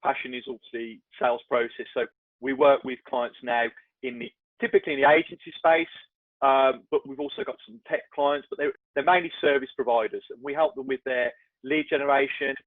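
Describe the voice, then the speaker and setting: Speaking fairly quickly at a medium pitch, a man with a Black Country accent chats casually as a podcast guest. He is self-deprecating and restarts often. The sound is dry and tinny, phone-like, with no room sound.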